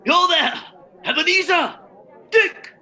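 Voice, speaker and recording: An actor playing a jolly, boisterous old master in a radio play, exuberant and loud. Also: male voice, takes it slowly, full character voice. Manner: booming, exuberant. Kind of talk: dramatic radio play acting.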